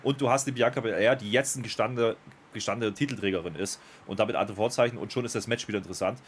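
A man reviewing a wrestling show in casual podcast chat, thoughtful, with many pauses and restarts. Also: on the low side, a little hiss or hum.

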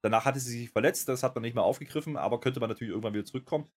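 A man's voice: mid-range voice, very fast. A man hosting a wrestling review podcast, rambling with many fillers in casual talk. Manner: rambling, full of fillers and self-corrections. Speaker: podcast host. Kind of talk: casual chat.

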